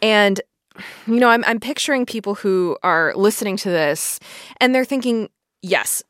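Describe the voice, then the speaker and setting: A woman's voice: medium pitch, moderate pace, a bit bright, no echo, clean studio sound. An American woman hosting a podcast in a conversational, informal and reflective way. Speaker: podcast host. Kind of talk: conversational radio interviewing.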